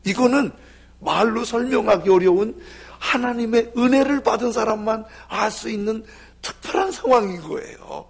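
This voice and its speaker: A male pastor preaching a sermon with animated delivery that drops into soft, half-whispered asides. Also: sits high, vocal fry, breathy edge.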